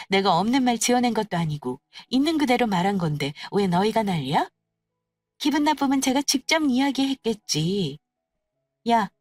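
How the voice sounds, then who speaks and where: A woman voicing a snobbish, sneering young woman in an audio story, talking in a condescending, mocking, drawn-out way. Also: fairly high pitch, no room sound. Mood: indignant, sneering. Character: snobbish, sneering young woman who belittles her friends. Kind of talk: acted dialogue in an audio story.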